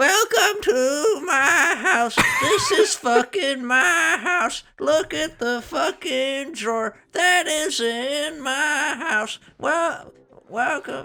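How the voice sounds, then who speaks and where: A man puts on a gruff character voice at an extremely high pitch, speaking very slowly. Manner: gruff, crazed, like someone who ate paint.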